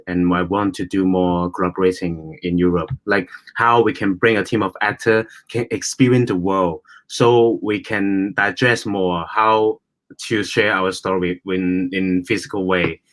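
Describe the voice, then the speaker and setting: Deepish guy, pauses a lot searching for words, video call interview. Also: steady tone, a bit bright. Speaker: theatre company director. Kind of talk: casual interview talk.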